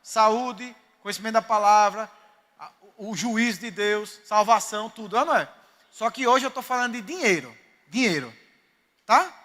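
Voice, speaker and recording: Male pastor, Northeastern Brazilian accent, very high bright voice, emphatic storytelling sermon, long hall reverb. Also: animated, normal speed. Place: church sanctuary.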